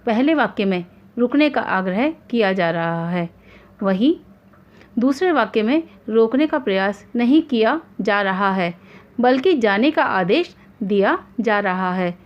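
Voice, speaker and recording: A woman hosting an online grammar lesson, explaining in a formal, measured way with examples. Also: medium pitch, animated, highs cut off. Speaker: Hindi grammar teacher, channel host.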